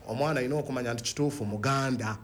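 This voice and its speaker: A man's voice: mid-range voice, rapid-fire. A man with a Ugandan accent presenting a football discussion, mixing English words and phrases into his speech. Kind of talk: sports discussion.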